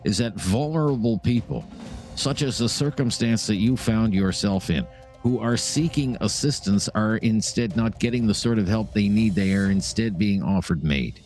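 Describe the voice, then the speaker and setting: Low-voiced male radio talk host. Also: normal speed, darkish tone, faint music behind. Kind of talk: call-in radio hosting.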